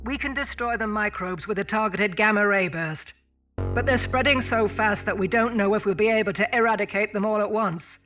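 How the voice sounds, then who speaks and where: The weary captain of a doomed mining ship in a science fiction audio drama. His voice sits high for a man and carries solemn, formal grief. Music plays clearly underneath. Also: moderate pace, sharp tone. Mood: grave, urgent. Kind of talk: dramatic sci-fi audio drama, log narration.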